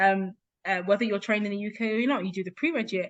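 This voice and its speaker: This woman talks at a very fast pace with a British accent. Her pitch is fairly high. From England. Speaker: pharmacist. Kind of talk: interview conversation.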